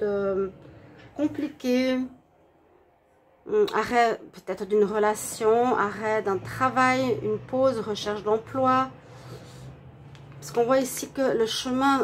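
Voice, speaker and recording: A woman with a stuffy nose from a cold gives a relaxed tarot reading for her viewers, gentle and halting with many hesitations. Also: fairly high pitch, a little hiss or hum. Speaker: tarot reader.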